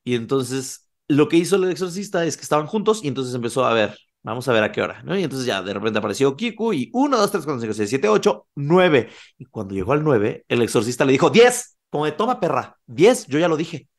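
A man's voice: medium pitch, fast talker. A man, a podcast co-host casually telling a horror legend and acting out the quoted lines. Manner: animated, acts out quoted lines.

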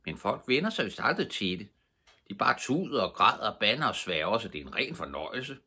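A man's voice: on the low side, sing-song, sharp tone, slightly rough, voice pushed up, heavily acted. A man voicing a sly, giggling old robber in a storybook reading. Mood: teasing.

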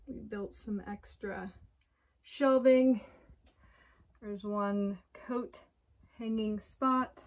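A woman giving an unhurried walkthrough tour of her camper, plainly pointing out features one by one, recorded on a handheld phone inside the trailer. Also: mid-range voice, steady tone, rough recording. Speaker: owner giving a home tour.

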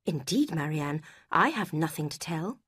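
Worried, reserved young woman, read by a woman; low, hushed, husky delivery. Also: big pitch swings, moderate pace, no room sound, studio quality, full character voice.

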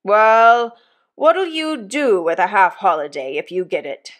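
A woman's voice: mid-range voice, very animated, a little slow. A woman voicing a mild, plain-spoken male master blacksmith, simple and placating but firm, in a storybook reading. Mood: calm, firm.

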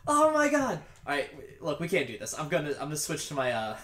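A young man with a slightly high voice talks casually through a co-op game. He jokes and swears freely, and the room around him rings with clear echo. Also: fast, fairly bright tone. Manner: sweary, joking. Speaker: gamer in co-op play. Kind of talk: casual gaming chat. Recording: roomy, echoey voice recording.

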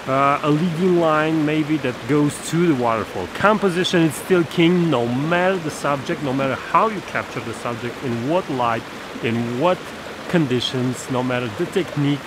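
A man in his thirties talks through a photography lesson outdoors, with a fairly high voice. He explains step by step, pausing on fillers and restarting his phrases. A rushing stream is clearly heard behind him, recorded at arm's length. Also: background noise. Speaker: photography instructor. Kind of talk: outdoor tutorial to camera. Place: snowy forest stream outdoors. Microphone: camera held at arm's length. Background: rushing stream water.

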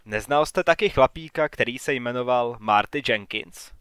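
A man voicing a courteous small-town real estate agent in an audiobook, a little raised and brisker than his narration. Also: medium pitch, clear, resonant tone, no room sound, clean studio sound, natural voice. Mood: polite, probing. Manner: courteous, then sharp and questioning.

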